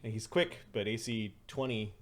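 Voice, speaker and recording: A man's voice: on the low side, lively intonation, a little slow. A man narrating a tabletop role-playing game as game master, describing scenes as he improvises them.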